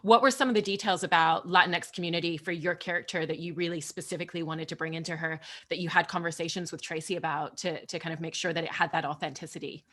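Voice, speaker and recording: A woman moderating an interview, asking long, winding questions full of praise. She talks quickly in a bright, forward tone. Her voice sits slightly low for a woman. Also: steady tone.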